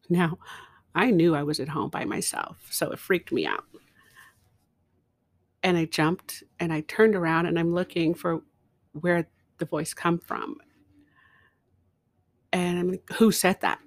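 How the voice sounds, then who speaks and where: A woman telling a personal story in a slow, emotional way, with dramatic pauses. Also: on the low side, vocal fry, no room sound. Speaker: speaker.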